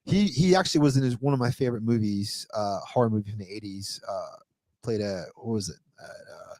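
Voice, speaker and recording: A man telling a rambling, profane party story as a podcast guest, in a casual animated way. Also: on the low side, brisk, no echo.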